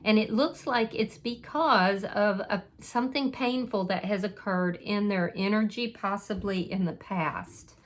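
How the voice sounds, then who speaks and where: Woman, tarot reader, earnest, reassuring, addresses the viewer directly, medium pitch. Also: measured pace, hardly any pauses. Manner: earnest, reassuring, with many "you know" fillers and restarts. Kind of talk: casual spoken tarot reading.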